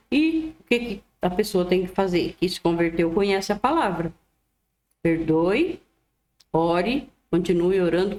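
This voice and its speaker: A woman reading the Bible aloud in a gentle, devout way, adding her own commentary and a prayer. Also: medium pitch. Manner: gentle, devout, often adds "né". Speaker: Bible reader. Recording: echoey room.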